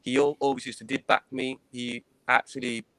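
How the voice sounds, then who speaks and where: A man in his thirties speaks as an interview guest, telling his own story in an earnest, halting way. His voice sits at an ordinary middle pitch. It is recorded dry, with no room echo. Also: flat delivery, a bit bright. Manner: earnest, hesitant, frequent pauses and restarts. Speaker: guest, former professional cricketer. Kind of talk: recounting personal experiences in an interview.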